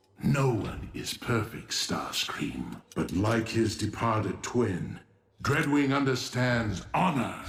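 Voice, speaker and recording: Using a cartoonish character voice, a man talks at a fairly slow pace and a medium pitch. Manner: cold, measured, commanding.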